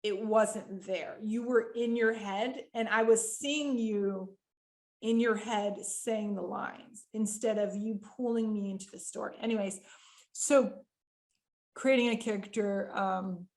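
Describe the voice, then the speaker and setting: Animated woman coaching voice actors. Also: mid-range voice. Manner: animated, quick bursts with frequent fillers; addresses the audience directly and often. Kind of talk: virtual workshop teaching.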